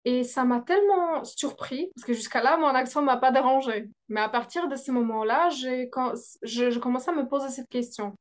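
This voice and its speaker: A fairly high-voiced young woman speaks as a guest in a relaxed interview. She talks haltingly, pausing often and reaching for the right word before going on. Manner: hesitant, searching for words with many pauses. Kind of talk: conversational interview.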